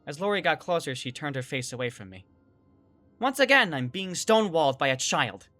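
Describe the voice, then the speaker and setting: An anxious young survivor woman played by an actor tells her story in an audio drama with a dry, sardonic edge. Her pitch moves around a lot, and music plays behind her. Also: big pitch swings, a little fast, bright, forceful tone. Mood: tense, wry. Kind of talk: first-person audio drama narration and dialogue.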